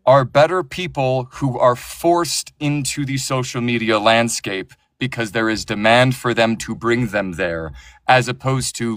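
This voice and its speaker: A man's voice: mid-range voice, a bit bright, no echo. A man who narrates audiobooks, talking passionately and with strong opinions in a casual interview, often restarting his sentences.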